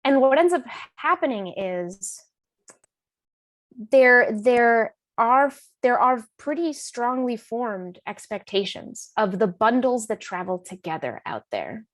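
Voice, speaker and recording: A woman author being interviewed, speaking in an animated, emphatic and informal storytelling way. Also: fairly high pitch, slow, no echo. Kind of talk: conversational storytelling in a public talk.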